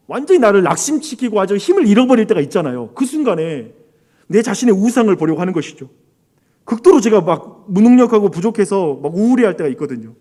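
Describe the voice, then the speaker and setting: A male pastor preaching earnestly, asking his congregation questions and answering them himself, moving between loud emphasis and quiet, drawn-out phrases. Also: high-pitched. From South Korea. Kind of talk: sermon.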